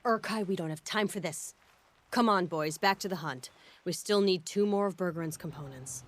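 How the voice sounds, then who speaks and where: An actress playing a prickly, proud young tribal hunter and leader in a video game, curt, sarcastic and commanding. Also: female voice, lowish voice, normal speed, slight background noise, close to an everyday voice. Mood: impatient, curt. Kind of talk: video game cutscene acting.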